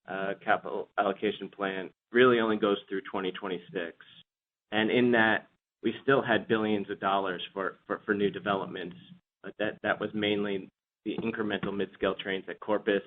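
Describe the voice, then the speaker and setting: A man answers as a finance executive on an earnings call, often doubling back on words. His voice is low with very little movement in pitch. The line is phone-like, with faint noise behind it. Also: steady tone, moderate pace.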